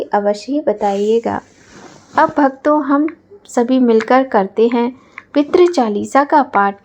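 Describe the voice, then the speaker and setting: Woman devotional reciter, reverent, sing-song chanting, warm mellow tone. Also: on the high side. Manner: reverent, addresses devotees directly. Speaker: devotional storyteller. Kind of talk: religious story narration and chant recitation.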